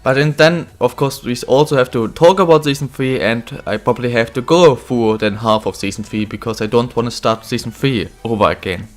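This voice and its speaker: A young gaming video host with a mid-range, slightly ill-sounding voice talks fairly quickly with few pauses. He rambles casually through a football career-mode game, his commentary full of fillers and self-corrections.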